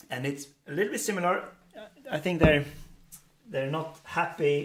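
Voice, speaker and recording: There is noticeable background noise as a man with a fairly high voice speaks with fairly even intonation. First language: not English. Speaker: pianist and music educator. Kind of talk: live-streamed music tutorial. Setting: livestream at the piano. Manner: halting, many fillers.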